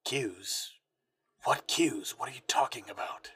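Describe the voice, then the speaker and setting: A man playing a down-on-his-luck, stubborn private eye in a noir audio drama, gruff, intense and husky. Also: fairly low pitch, a little slow, pushed and bright, in a whisper, full character voice. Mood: bewildered. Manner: gruff, intense, hard-boiled.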